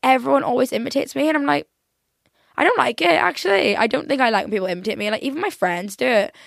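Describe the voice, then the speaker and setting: A young woman with a softened Northern Irish accent, chatting casually in a rambling, exaggerating way as a podcast host. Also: high voice, fast, creaky, no room sound, studio quality. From Northern Ireland. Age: young adult.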